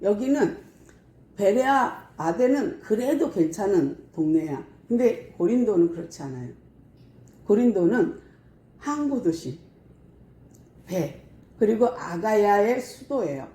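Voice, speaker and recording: A woman pastor preaching a sermon, telling the story in a lively way and acting out the scenes. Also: medium pitch, measured pace, long pauses, reverberant.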